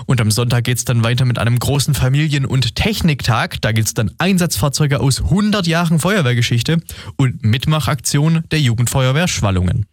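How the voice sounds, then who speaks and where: A man radio reporter presenting a local event in a lively, inviting way. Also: mid-range voice, moderate pace, no echo, clean studio sound. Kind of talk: studio report chat. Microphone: studio microphone.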